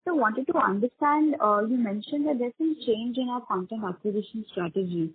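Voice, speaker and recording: A woman's voice: a little high, fairly quick, slightly rough, no echo. A woman calling in to ask unscripted questions on an investor conference call. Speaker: caller asking questions. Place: telephone call. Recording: muffled narrow phone line.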